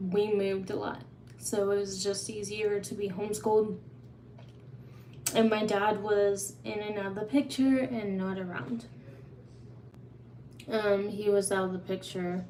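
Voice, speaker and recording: A woman's voice: medium pitch, darkish tone, slight background noise. A woman from Oklahoma hosting a casual live Q&A, chatty and open as she answers viewers' questions. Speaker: livestream host. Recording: echoey room, faint ambience.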